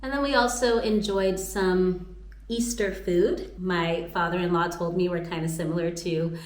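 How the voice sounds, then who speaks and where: A woman's voice: on the low side, fairly even intonation, measured pace. A young adult American woman narrating a personal vlog. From United States, Atlanta, Georgia. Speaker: vlogger. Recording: roomy echo with music underneath.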